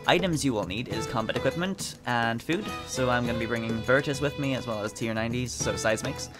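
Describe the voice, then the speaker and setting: A man's voice: mid-range voice, fairly quick, over music. Casual man hosting a game walkthrough. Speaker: game video host. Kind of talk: casual walkthrough commentary, reading quest dialogue aloud.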